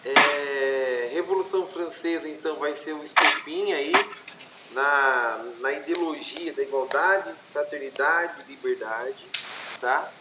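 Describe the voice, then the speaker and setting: Brazilian history teacher, slightly high voice, noisy clicking line, explains with fillers. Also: male voice, slow, echoey room. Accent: Brazilian Portuguese. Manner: explanatory, frequent fillers and tag questions. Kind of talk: online class lecture. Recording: noisy online class audio with clicks.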